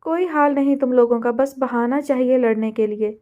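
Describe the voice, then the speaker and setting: A woman's voice: high voice, moderate pace, phone-quality sound, lightly acted. A woman voicing a patient young woman, an older sister who mildly scolds her siblings, in a storybook reading. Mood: scolding.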